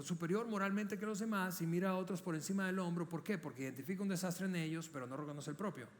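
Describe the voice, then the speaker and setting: A man, preaching a sermon as a pastor in an earnest, conversational way, often repeating words and asking the listeners questions. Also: high voice. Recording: long hall reverb.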